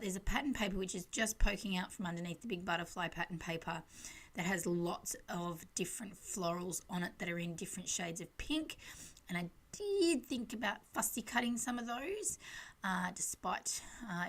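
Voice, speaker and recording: A woman's voice: medium pitch, fairly bright tone. A woman giving a casual, chatty and rambling scrapbooking voice-over as the host, with a self-deprecating way of talking. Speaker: craft channel host.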